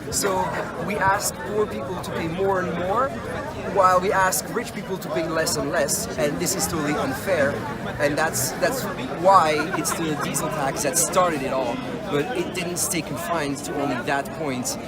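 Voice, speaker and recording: A man's voice: a little high, fairly even intonation, normal speed. A man from Belgium answering questions as a protester in an unscripted street interview, talking with many fillers and restarts. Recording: loud crowd behind. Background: loud crowd.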